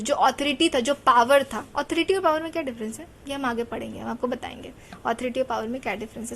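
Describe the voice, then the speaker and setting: A woman's voice: high voice, fairly bright tone, slight background noise. A young woman teacher giving a casual lecture, chatty, mixing English terms into her talk and asking rhetorical questions.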